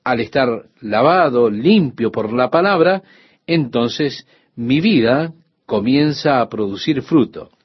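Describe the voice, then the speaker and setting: Older man, pastor, radio sermon, husky, dry close sound, earnest teaching. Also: mid-range voice, lively intonation, slow, no echo, muffled recording. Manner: earnest teaching tone, rhetorical questions to the listener.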